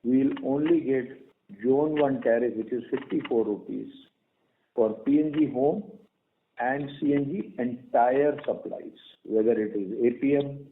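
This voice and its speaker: A man's voice: medium pitch, measured pace, slight background noise. Indian-accented male executive on a tinny phone line. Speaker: company executive. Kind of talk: prepared earnings call presentation. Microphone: phone or conference call line. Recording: tinny phone-line conference call audio.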